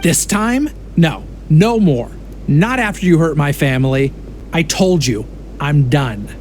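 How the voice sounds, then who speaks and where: Desperate, higher-voiced family man. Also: expressive, takes it slowly, darkish tone, a little hiss or hum. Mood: defiant. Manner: earnest, protesting, agitated. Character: desperate family man turned unwilling informant, defiant. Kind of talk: video game voice acting.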